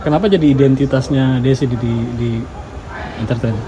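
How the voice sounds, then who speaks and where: A man's voice: mid-range voice, steady tone, brisk, background noise. A man interviewing a guest with short, casual prompting questions. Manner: brief prompting questions, frequent hums.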